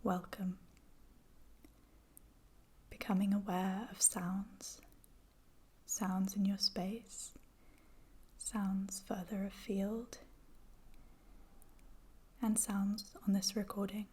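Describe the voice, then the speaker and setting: A woman with a soft, whispery voice guides a meditation in a soothing, gentle, measured manner. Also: medium pitch, little pitch movement, breathy edge. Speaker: yoga nidra guide.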